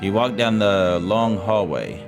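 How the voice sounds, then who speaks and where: A man with a low voice reads a horror tale aloud like a game streamer. He narrates dramatically, then drops into casual, sweary commentary and trips over words now and then. Loud music plays behind him. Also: a little slow. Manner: casual, profane, interjecting, stumbles over reading. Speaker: streamer reading a visual novel aloud. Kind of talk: dramatic ghost-story read-aloud with casual asides.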